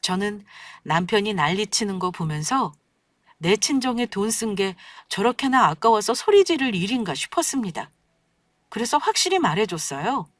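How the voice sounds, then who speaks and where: A woman's voice: medium pitch, expressive, normal speed, fairly bright tone, no room sound. Woman narrating a wry story.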